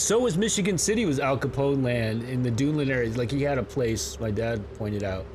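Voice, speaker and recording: A man with an American accent speaks at a very fast pace with hardly any pauses, at a medium pitch with very wide pitch swings. Noticeable background noise and audible room echo run through the clip. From northern Indiana and Texas. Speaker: game streamer. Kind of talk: casual chat while gaming. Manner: rambling conversational.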